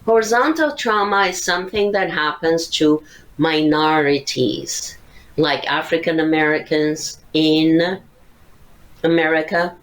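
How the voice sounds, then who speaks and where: An older woman speaks in a low, unhurried voice. She lays out her points one by one, earnest and methodical, like a therapist guiding a listener through a subject. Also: poor audio. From Syria. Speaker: psychotherapist guest. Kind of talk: podcast interview, explaining.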